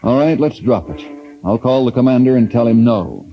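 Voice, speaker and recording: An actor playing an earnest, resolute ranger hero who speaks in a firm, persuasive way, in an old radio drama. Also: male voice, medium pitch, expressive, normal speed, faint music behind, natural voice. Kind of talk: 1950s radio drama acting. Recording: dull old radio broadcast with faint hiss.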